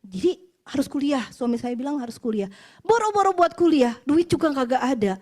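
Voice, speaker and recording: A woman in her forties from West Java, giving a personal testimony sermon at an office worship meeting in a chatty, expressive way, dropping English phrases and laughing between points. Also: high-pitched, fairly quick. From West Java, Indonesia. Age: 40s.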